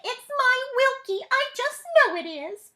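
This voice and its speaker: A panicky roach mom from a kids book, super high wailing, all fretful. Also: female voice, animated, unhurried, sharp tone, full character voice. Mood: distressed. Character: distraught, fretful mother cockroach.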